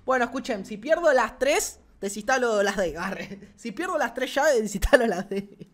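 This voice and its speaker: A man with an Argentine accent giving excited gameplay commentary as a gaming channel host, swearing and shouting often. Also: very high voice, moderate pace. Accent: Argentine Spanish.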